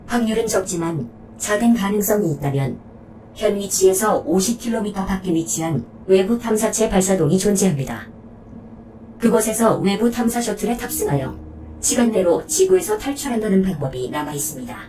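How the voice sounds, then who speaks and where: An actress playing a polite, unflappable combat robot that protects humans, speaking in formal, matter-of-fact reports in an audio drama. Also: female voice, medium pitch, very animated, fairly quick, dark tone, recorded from a distance, faint music behind, lightly acted. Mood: factual, composed.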